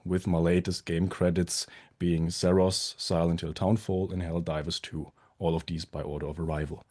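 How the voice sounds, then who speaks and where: A man's voice: deep voice, mellow. A man giving a friendly conference talk with self-deprecating jokes, his voice a little strained from being sick. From Germany. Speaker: conference speaker, sound designer. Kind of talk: presentation talk.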